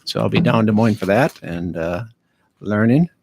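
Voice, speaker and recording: A man with a fairly low voice speaks as a guest in a radio studio, searching for words with frequent "uh"s and restarts. The sound is dry and close on a studio microphone. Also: gravelly, a little mellow, no echo. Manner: halting, many fillers and restarts. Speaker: county veterans affairs officer, studio guest. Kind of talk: casual radio interview.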